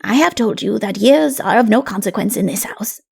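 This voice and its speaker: A woman's voice: mid-range voice, lively intonation, normal speed, vocal fry, husky, heavily acted. A woman voicing a solemn, patient, fatherly old patriarch in a fantasy audiobook, with grave, assured pronouncements. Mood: grave, reassuring.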